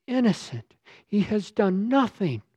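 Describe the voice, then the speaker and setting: A man's voice: high voice, sing-song, measured pace, warm tone, husky, dry recording. A man preaching a sermon in a dramatic, emphatic way, building his points through rhetorical questions. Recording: slightly dull lo-fi recording.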